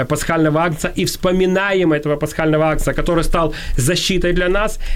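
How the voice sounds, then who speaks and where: A man with a fairly high voice talks at a moderate tempo amid clearly audible background noise. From Odesa, Moldavanka, Ukraine. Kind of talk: casual conversation with teaching.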